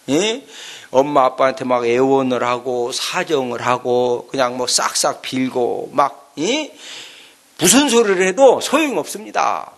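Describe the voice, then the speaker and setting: A male pastor delivers an animated sermon in a high voice. His pitch rises and falls widely as he acts out the story. He keeps calling out to his listeners. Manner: animated storytelling with sound effects, asking the congregation "예?".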